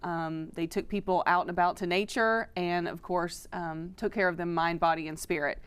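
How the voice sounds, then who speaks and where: A woman's voice: lowish voice, steady tone, moderate pace, smooth. A middle-aged woman from Florida, a foundation director, answering interview questions in a studio in a friendly, informative way with frequent "um" fillers. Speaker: foundation executive director, guest.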